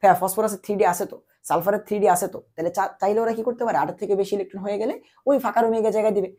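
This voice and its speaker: Feverish tutor, husky voice. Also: male voice, high-pitched, fairly even intonation, very fast, warm tone. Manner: repetitive call-and-answer teaching, quizzing the listener. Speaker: chemistry tutor. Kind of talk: exam-prep lecture.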